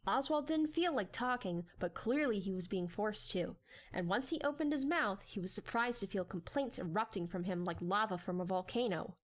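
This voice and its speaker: A woman's voice: medium pitch, animated, normal speed. A woman narrating a story as a scripted audiobook.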